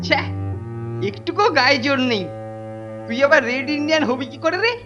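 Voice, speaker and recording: A boastful older schoolboy from a cartoon , played by a woman, pitched high. He swaggers and taunts like a comic bully, over clearly audible music. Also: fairly quick, dull audio, lightly acted. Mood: gloating. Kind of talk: exaggerated cartoon acting.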